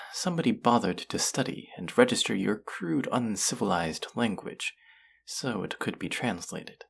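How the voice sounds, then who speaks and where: Man voicing a haughty, low, creaky alien buyer. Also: exaggerated voice. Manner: condescending, murmuring, deliberate, mocking. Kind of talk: scripted audio roleplay, addressing the listener.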